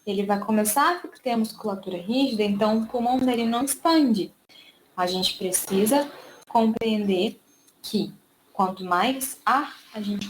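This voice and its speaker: A woman with a Brazilian Portuguese accent, a speech therapist giving an online lecture and drawing out key words slowly to explain them. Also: medium pitch, a little hiss or hum, poor audio.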